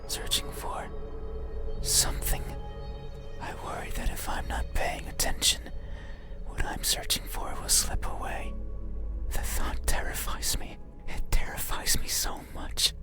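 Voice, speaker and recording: A man voicing an eerie demon in a breathy, intimate whisper, pleading, shy and menacing, in the style of an ASMR horror game. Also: close to an everyday voice. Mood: anxious. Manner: slow, drawn-out, intimate delivery. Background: loud music.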